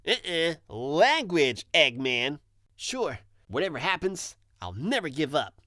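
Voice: medium pitch, sing-song, slow, bright, forceful tone, no room sound, studio quality, exaggerated voice. A performer voicing a cocky, upbeat young male hedgehog hero from a video game, brash and breezy in delivery. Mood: teasing. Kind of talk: video game character voice demo.

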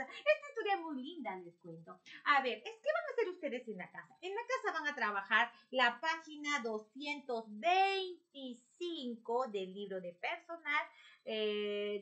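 A woman's voice: high voice, bright, forceful tone. A woman preschool teacher telling a story to young children and giving them homework, with a sing-song manner and coaxing questions. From Peru.

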